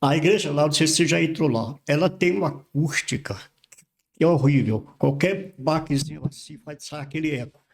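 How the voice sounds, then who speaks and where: A man's voice: on the high side, a little fast, creaky. An older man from Brazil, a pastor, telling his life story in a casual interview and repeating words as he recalls things. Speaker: pastor, podcast guest.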